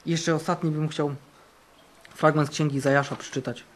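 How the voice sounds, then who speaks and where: A male camp preacher in full sermon mode, his fairly high voice rising for bold declarations and dropping for quiet, earnest passages. He drives points home by repeating key phrases. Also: flat delivery, brisk, a little hiss or hum. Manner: fervent, repeats phrases for emphasis, swings between loud and hushed. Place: camp meeting.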